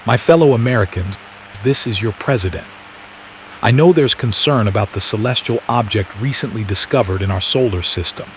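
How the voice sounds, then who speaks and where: An actor playing a solemn, reassuring American president giving a formal, deliberate address in a radio drama. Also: male voice, on the low side, a little hiss or hum, close to an everyday voice, rough recording. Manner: deliberate, statesmanlike. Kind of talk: formal televised-style address.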